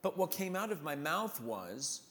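Bright-voiced man telling stage stories. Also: fairly high pitch, measured pace, in a large hall. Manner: lively anecdotes, acts out the people he quotes. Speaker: musical theater performer. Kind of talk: storytelling in a conversation.

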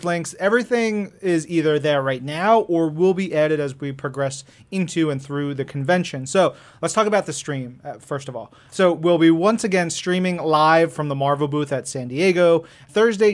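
Upbeat man co-hosting a podcast. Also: a little high. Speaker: podcast co-host. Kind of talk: casual chat reading show news.

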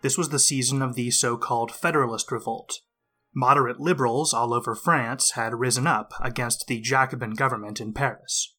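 A man hosting a history podcast, reading a scripted narration in a measured, explanatory way while getting over a cold. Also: medium pitch, pushed and bright. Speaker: podcast host.

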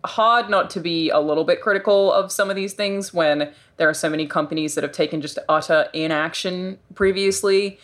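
A woman with a deep voice talking bluntly in a casual group discussion, swearing freely. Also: normal speed, few pauses. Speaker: podcast panelist.

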